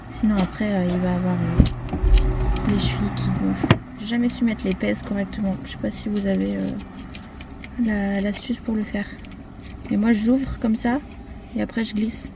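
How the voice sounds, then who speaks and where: A woman's voice: mid-range voice, level tone, normal speed, vocal fry, pauses often. A woman talking casually to her camera in a candid, rambling way, full of fillers and self-corrections. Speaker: family vlogger. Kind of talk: casual vlog chat to camera. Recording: noisy background ambience.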